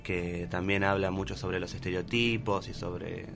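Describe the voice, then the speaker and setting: A man's voice: low voice, level tone, normal speed, vocal fry. A man with a Buenos Aires accent talking casually as a guest in a radio interview. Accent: Buenos Aires Argentine. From Argentina, Buenos Aires province. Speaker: guest, clown theatre performer. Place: radio studio. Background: music.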